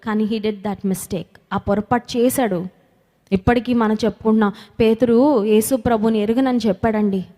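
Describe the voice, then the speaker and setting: A woman's voice: a little high, steady tone, moderate pace, dark tone. A woman preacher, giving a sermon and leading prayer, repeating phrases and asking herself questions. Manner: repeats phrases, asks and answers her own questions, drops into English. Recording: long hall reverb with music behind.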